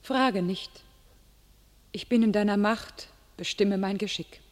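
An actress playing a devout, resigned young warrior maiden, speaking solemnly in classic German radio drama style. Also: female voice, mid-range voice, slow pace, close to an everyday voice. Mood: defeated, calm. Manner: solemn, submissive, declamatory.

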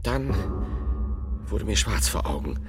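An actor playing a devout medieval thinker in a German audio drama, solemn, declamatory and questioning. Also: male voice, on the low side, very animated, takes it slowly, gravelly, loud music behind the voice, exaggerated voice. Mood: solemn recollection.

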